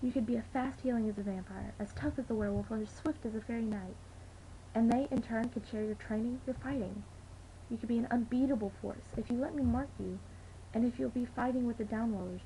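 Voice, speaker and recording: A woman's voice: fairly high pitch, brisk, mellow, close to an everyday voice, poor audio. A woman playing an earnest, defiant fifteen-year-old girl in an insistent, persuasive dramatic audition monologue. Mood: pleading, hopeful. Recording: amateur recording with faint background noise.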